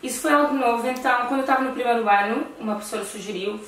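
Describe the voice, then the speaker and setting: A woman's voice: fairly high pitch, racing, fairly bright tone. A woman with a European Portuguese accent chatting casually with a friend as a talk show host. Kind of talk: casual conversation between friends. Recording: very echoey room, distant mic.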